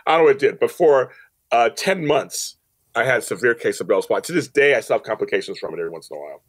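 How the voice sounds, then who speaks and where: Rapid-fire and expressive, a man at medium pitch tells personal stories casually on a podcast, where he's a guest who produces audio dramas. He stresses points by repeating phrases, speaking with plenty of emphasis.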